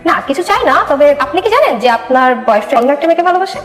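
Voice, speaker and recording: A woman playing a sly scheming rival, high and lively. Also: very fast, soft background music. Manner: sly, taunting. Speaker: ex-girlfriend. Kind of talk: melodramatic drama acting. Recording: echoey room with long reverb.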